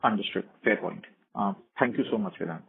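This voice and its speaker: A man with an Indian accent and a husky voice, an analyst asking questions on an earnings call by phone. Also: on the low side, brisk, a little hiss or hum. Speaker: financial analyst. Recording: narrow tinny phone line.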